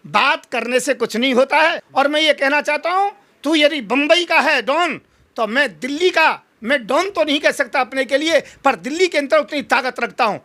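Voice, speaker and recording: High-pitched, combative man. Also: moderate pace, sharp tone. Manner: combative, emphatic oratory with rhetorical challenges. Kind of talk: impassioned political interview.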